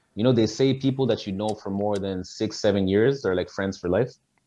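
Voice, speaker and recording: The speaker has a plain, everyday voice, talking at a fairly quick pace with ordinary pitch variation. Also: man. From Montreal, Canada. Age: 20s. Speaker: music producer. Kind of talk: casual chat.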